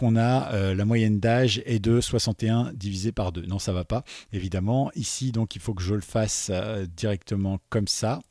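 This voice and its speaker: Guy with a lowish voice doing a coding tutorial, chatty, keeps saying d'accord, dry close mic, keys clacking. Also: a little mellow, no room sound. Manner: chatty, thinks aloud while typing, frequent "d'accord?". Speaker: coding instructor. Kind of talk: screen-recorded coding tutorial.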